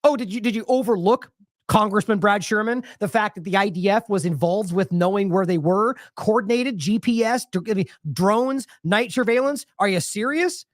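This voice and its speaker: A man's voice: sits high, moderate pace, dry recording, studio quality. An American man hosting an independent news show, delivering sarcastic, indignant commentary full of rhetorical questions.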